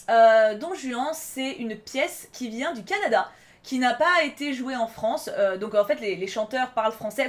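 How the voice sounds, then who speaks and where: A young woman vlogging casually, enthusiastic and rambling, with many fillers and restarts. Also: a little high. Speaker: YouTuber. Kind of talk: casual vlog countdown.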